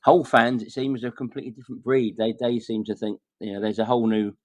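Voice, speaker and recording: A man giving measured, conversational football analysis as a podcast guest. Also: mid-range voice, level tone, a little mellow, no echo. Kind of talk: casual football chat.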